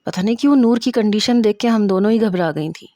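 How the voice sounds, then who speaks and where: Young woman storyteller, steady first-person narration, mellow tone, dry close sound. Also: medium pitch, no room sound.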